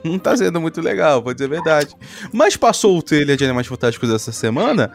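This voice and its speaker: A man in casual podcast chat, talking excitably about films. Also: fast, vocal fry, faint music behind. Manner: excitable, swings high and low in pitch.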